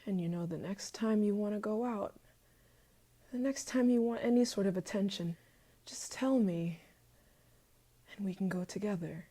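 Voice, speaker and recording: A woman's voice: medium pitch, moderate pace, pauses often, mellow, close to an everyday voice. A woman playing an obsessive, possessive, murderous yandere lover in an intimate ASMR roleplay monologue, moving between whispers and frantic outbursts. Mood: calm, tender, chilling.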